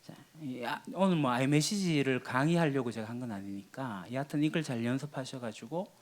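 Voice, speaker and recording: Preaching a sermon as pastor, a man speaks fairly quickly in a medium pitch. He teaches in a chatty way, posing rhetorical questions and dramatizing lines from everyday squabbles.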